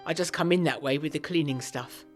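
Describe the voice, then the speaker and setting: A woman's voice: deep voice, brisk, faint music behind, natural voice. A woman voicing a plain-spoken working-class chambermaid who is chatty, blunt and colloquial. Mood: startled, chatty.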